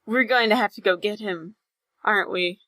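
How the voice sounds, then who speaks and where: A woman's voice: medium pitch, normal speed, bright, forceful tone, no echo, close to an everyday voice. A woman playing a sardonic, blunt young best friend in an audio drama. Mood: sarcastic.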